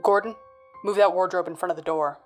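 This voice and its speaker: A woman's voice: fairly low pitch, fairly even intonation, a little fast, a little mellow, soft background music, lightly acted. A woman playing a tough, sardonic, wisecracking crime boss in a noir audio drama, with a clipped, threatening manner. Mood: menacing. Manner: sardonic, hard-boiled, clipped.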